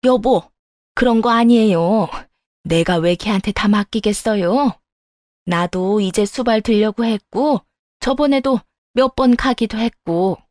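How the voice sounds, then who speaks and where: Spiteful middle-aged mother-in-law, shrill and bossy, a woman doing it, dry close recording. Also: unhurried, no room sound, lightly acted. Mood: pleading. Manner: yelling, then whiny pleading. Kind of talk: storytelling dialogue.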